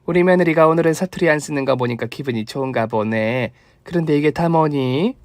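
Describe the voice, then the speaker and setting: A man's voice: fairly high pitch, a little fast, no echo, clean studio sound, close to an everyday voice. A man voicing a thrifty, kind elderly mother-in-law who fusses and scolds affectionately. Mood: flustered.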